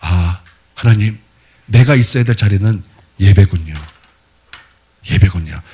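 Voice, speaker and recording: A man's voice: on the low side, measured pace, darkish tone, husky, pitched below the performer's own voice. A pastor acting out an older patriarch, speaking his lines earnestly and with exclamation as part of a sermon. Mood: repentant. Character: repentant ancient patriarch, older man.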